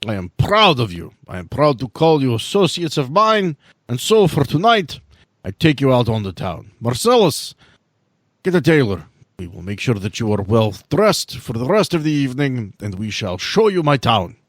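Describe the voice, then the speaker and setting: A man playing a measured, courteous authority figure who speaks formally and deliberately in an improvised role-play game. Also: medium pitch, sing-song, no room sound, studio quality. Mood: proud, generous. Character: measured, courteous authority figure, proud host of his town.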